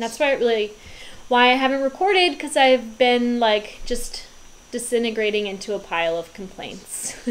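With lively intonation, a woman speaks at a moderate pace and a high pitch. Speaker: knitting and spinning podcaster; spinning podcaster. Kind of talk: casual solo vlog chat. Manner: louder to be heard over rain. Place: home room. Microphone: phone near.

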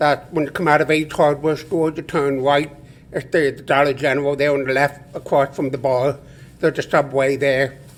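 A man with a fairly high pitch, fairly even intonation and a moderate pace. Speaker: public commenter. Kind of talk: public comment at meeting. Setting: township board meeting room at podium. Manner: loud.

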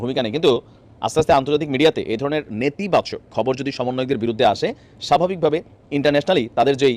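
A man talks in a plain, everyday voice, pitched fairly high with ordinary pitch variation. The sound is dry and close, with no echo. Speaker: news commentator. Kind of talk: news commentary.

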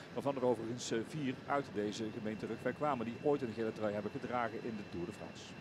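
A man speaks at a very fast pace with hardly any pauses, his pitch medium and his intonation fairly even. Background noise is noticeable throughout. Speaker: cycling commentator. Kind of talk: live commentary.

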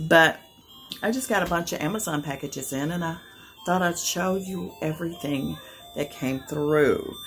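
Clear music plays in the background as a woman speaks at a fairly low pitch. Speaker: haul vlogger. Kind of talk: casual vlog chat. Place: home room.

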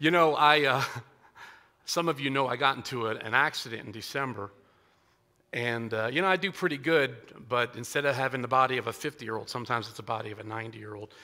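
A man speaks at a very fast pace in a bright, sharp tone, with ordinary pitch variation and big swings in loudness. The background is quiet. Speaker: worship pastor preaching. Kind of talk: sermon. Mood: joking, lighthearted. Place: church.

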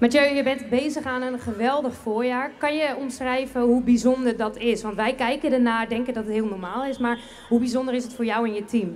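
A woman speaks at a high pitch and a fairly quick pace, with hardly any pauses and fairly even intonation. Light background noise sits behind her. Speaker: stage interviewer. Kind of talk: on-stage interviews. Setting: stage outdoors with audience. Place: stage. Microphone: handheld.

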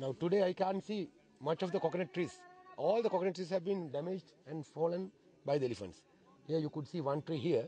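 With a Sri Lankan accent, a man talks at a fairly quick pace in a high pitch, using ordinary pitch variation. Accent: Sri Lankan English, moderate to strong. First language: Sinhala. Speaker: wildlife officer, elephant relocation team member. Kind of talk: interview answers in documentary.

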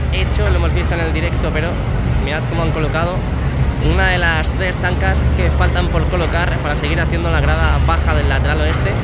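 The speech moves at a fairly quick pace. The sound is dry with no echo, though loud background noise is present. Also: man. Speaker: construction site vlogger. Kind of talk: commentary. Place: stadium. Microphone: phone near.

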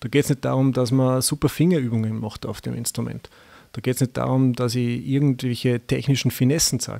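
This man speaks at a moderate pace with a medium pitch and a dark, mellow tone. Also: quiet background. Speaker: metal band member; interviewee. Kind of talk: TV interview. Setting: TV studio. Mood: earnest, reflective. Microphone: handheld.

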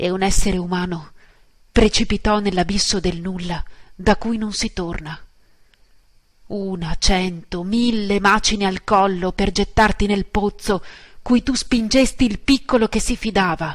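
At a fairly slow pace, a woman speaks in a medium pitch with fairly even intonation. Long, frequent pauses break up her speech in a very clean recording with a silent background. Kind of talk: dramatic spoken-word poem of denunciation, delivered as a furious curse and lament.

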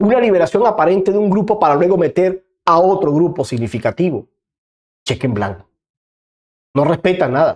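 Animated in tone, a man talks at a fairly quick pace with long, frequent pauses. The background is quiet. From Venezuela. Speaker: political commentator. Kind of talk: political commentary. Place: studio. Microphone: lapel.

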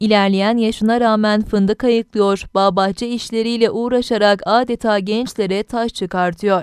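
With hardly any pauses, a woman speaks at a fairly slow pace in a fairly high pitch and a monotone, flat intonation, the sound dry and close with no echo. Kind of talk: TV news narration.

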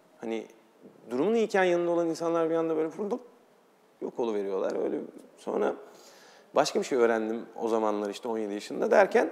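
Speaking at a fairly quick pace with long, frequent pauses, a man with a fairly high pitch makes very wide pitch swings. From Turkey, Istanbul. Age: 30s. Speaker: actor. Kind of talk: casual interview chat. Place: studio. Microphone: lapel.

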